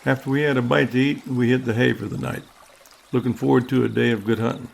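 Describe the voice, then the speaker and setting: A man playing a hunter who recounts his trip in measured, scripted first-person narration, with a gravelly voice. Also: medium pitch, steady tone, a little hiss or hum. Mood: reflective. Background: music.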